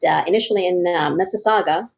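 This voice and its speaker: A woman in her forties from Egypt, raised in Kuwait, speaking as an interview guest in a measured, thoughtful way. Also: fairly low pitch, gravelly, darkish tone. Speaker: guest, real estate broker. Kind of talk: interview conversation.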